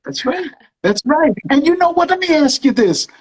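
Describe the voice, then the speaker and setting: A man's voice: very high voice, lively intonation, normal speed, crowd noise. A man hosting a music interview show, effusive and conversational, repeating phrases for emphasis and speaking straight to his listeners.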